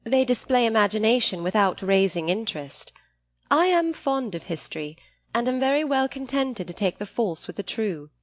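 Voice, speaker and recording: A woman voicing a sensible, gently wry young lady in an audiobook, composed and articulate with formal phrasing. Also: a little high, very animated, moderate pace, no room sound.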